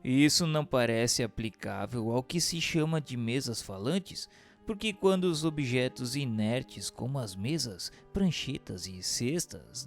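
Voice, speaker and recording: A man as a gravelly, earnest inquirer. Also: mid-range voice. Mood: inquiring. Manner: formal, inquiring, methodical. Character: earnest male inquirer questioning a spirit. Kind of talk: radio drama dialogue. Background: music.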